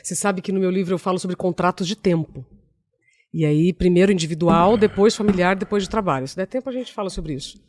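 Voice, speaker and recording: A woman's voice: fairly low pitch, quick pace, a little mellow, slight background noise. A woman guest on a podcast, a speaker and author, talking in a chatty, affirming way. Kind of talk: casual conversation.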